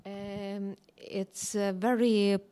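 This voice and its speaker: A woman's voice: mid-range voice, level tone, drawn-out words, warm tone, clear, resonant tone. A woman literary researcher, speaking hesitantly on a discussion panel with many fillers.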